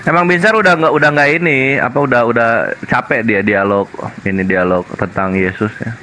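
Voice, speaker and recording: A man's voice: mid-range voice, fairly quick, pushed and bright, slight background noise, low-quality recording. A man debating casually online, mocking and sarcastic in tone.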